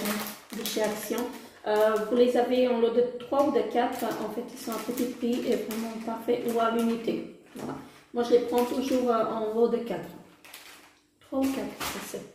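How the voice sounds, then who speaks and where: A woman's voice: a little high, mellow, a little hiss or hum. A woman vlogger casually reviewing makeup, gushing with delight and using many fillers. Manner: enthusiastic, repetitive exclamations, many fillers. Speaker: beauty vlogger. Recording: very echoey room.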